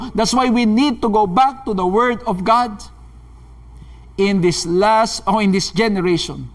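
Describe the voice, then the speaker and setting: High-voiced Filipino preacher. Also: male voice. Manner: earnest, repetitive exhortation. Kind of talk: sermon mixing Tagalog and English.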